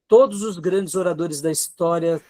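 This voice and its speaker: A man's voice: sits high, normal speed, dark tone. A man with a Brazilian Portuguese accent giving an earnest seminary lecture, asking rhetorical questions and checking in with his students. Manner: earnest, exhorting, asks rhetorical questions, frequent tag questions. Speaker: seminary teacher.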